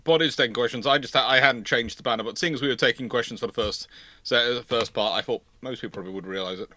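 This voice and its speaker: Talking fast in a mid-range voice that sounds pushed and bright, a man hosts a live naval history Q&A stream. He answers viewer questions in a chatty, teasing, casual way.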